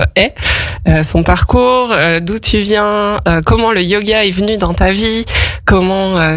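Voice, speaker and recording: A woman hosting a casual radio interview, pausing often as she searches for her words. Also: fairly low pitch, no room sound. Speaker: radio host. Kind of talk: casual interview and chat on a parenting radio show.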